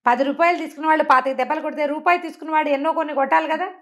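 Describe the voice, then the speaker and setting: Fast-talking, higher-pitched woman storyteller. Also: steady tone, a bit bright. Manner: conversational, acts out characters' dialogue within narration. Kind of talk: animated oral storytelling of a children's moral tale.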